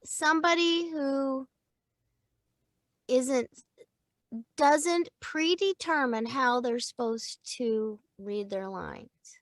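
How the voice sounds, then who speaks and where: Lively, chatty middle-aged woman. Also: high voice, very slow, long pauses, dry recording. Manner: lively, chatty, laughs easily. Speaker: voice actor and acting coach. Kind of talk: casual interview chat.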